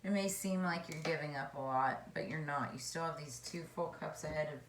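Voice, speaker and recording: A woman with a low, slightly hoarse voice reads tarot cards in a relaxed, wandering way, thinking aloud between cards. Her voice bounces around an echoey room with a faint hum behind it. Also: brisk. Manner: chatty and meandering, musing aloud. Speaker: tarot reader. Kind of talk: casual tarot card reading.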